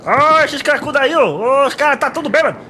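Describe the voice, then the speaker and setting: A man's voice: very high-pitched, expressive, fairly quick. A man playing a belligerent, oblivious fellow who rambles and stammers in a Brazilian accent in an amateur comedy radio play. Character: belligerent, oblivious drunken-sounding man called Valdir. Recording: clear background noise.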